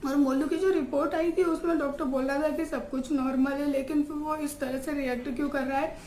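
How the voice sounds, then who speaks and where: A woman's voice: sits high, steady tone, brisk, darkish tone, roomy sound. A woman talking to her viewers in a casual home vlog, in an emotional, heartfelt way. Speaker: vlogger and mother.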